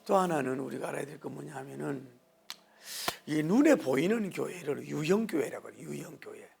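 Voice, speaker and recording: A man's voice: a little high, lively intonation, a little fast, creaky, a little mellow, slight background noise. A middle-aged man preaching a sermon lecture as pastor, folksy in manner. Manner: folksy, mimics regional dialects for humor.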